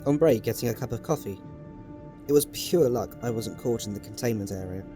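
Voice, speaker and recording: A man as a calm, deliberate scientist. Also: medium pitch, natural voice. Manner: slow, deliberate, formal report. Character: composed, deliberate male scientist. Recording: music playing underneath.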